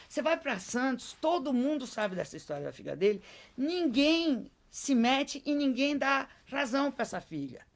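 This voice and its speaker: Blunt woman in her sixties. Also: sits high. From Brazil. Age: 60s. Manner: blunt, emphatic, opinionated. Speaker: podcast guest. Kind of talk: casual interview chat.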